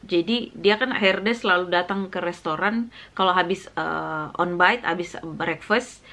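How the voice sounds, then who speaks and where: A woman's voice: on the low side, measured pace, sharp tone. A woman from Indonesia telling a casual vlog story about a job, acting out the dialogue and slipping in English phrases. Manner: recounts dialogue, mixes in English phrases, frequent fillers. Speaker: vlogger.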